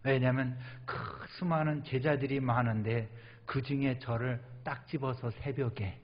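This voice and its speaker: A middle-aged male pastor preaching a sermon, telling his own stories with animated delivery and acting out his prayers. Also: medium pitch, normal speed. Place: church sanctuary. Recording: reverberant hall, dull lo-fi sound.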